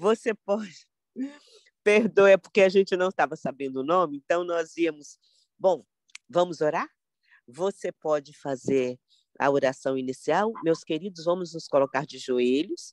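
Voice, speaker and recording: The speaker goes at a fairly slow pace, with long, frequent pauses. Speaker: service leader. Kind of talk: church service hosting. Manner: soft-spoken.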